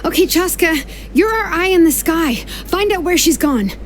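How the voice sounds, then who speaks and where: A woman's voice: very high voice, expressive, normal speed, slight background noise. A woman voicing a serious, analytical young female strategist in a video game, formal and precise. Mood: brisk command.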